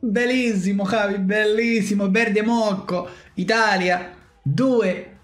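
A young man with a Rioplatense Spanish accent, commenting on game pack openings in an animated, slangy, joking way. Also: sits high, moderate pace, echoey room, faint music behind. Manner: animated, slangy, jokey, shouts with joy. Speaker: gaming streamer.

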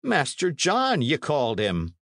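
A man's voice: on the high side, huge pitch swings, unhurried, a bit bright, no room sound, studio quality, voice pushed up, heavily acted. A man reading a storybook as a flustered medieval innkeeper, protesting in archaic speech.

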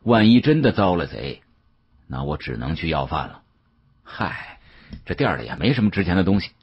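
Very husky, low-voiced male storyteller. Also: dry recording, muffled recording. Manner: colloquial, expressive. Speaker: audiobook narrator. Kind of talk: dramatic first-person storytelling.

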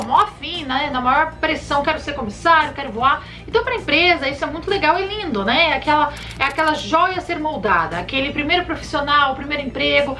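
Her voice is high as this thirty-something Brazilian flight attendant chats through some casual advice, hands moving lively and viewers addressed fondly by nicknames. She records in her bedroom, framed at chest level by a camera in front.

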